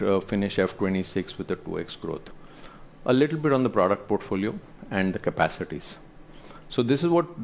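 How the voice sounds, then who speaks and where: A man presents company results to investors as an executive, explaining slides in a measured, halting way. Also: lowish voice, slight background noise. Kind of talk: earnings presentation to investors, talking through slides.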